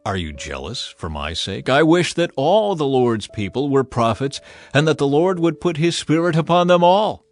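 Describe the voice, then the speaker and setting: A man's voice: on the high side, big pitch swings, moderate pace. Man as earnest, burdened prophet Moses. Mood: gently reproving.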